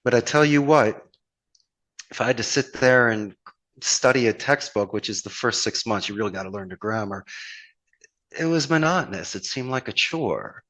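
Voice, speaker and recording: A man with a Philadelphia accent speaks conversationally, as a guest in a podcast interview. His pitch sits in an ordinary male range. He talks earnestly and ornately, building motivational points and often putting rhetorical questions to the listener. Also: lively intonation, moderate pace, fairly bright tone, low-quality recording. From Philadelphia, United States. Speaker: podcast guest, call center owner.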